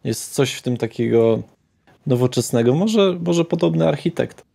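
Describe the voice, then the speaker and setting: A man's voice: mid-range voice, lively intonation, moderate pace, creaky, dark tone. A man narrating a tabletop roleplaying game as game master, describing scenes with small hesitations.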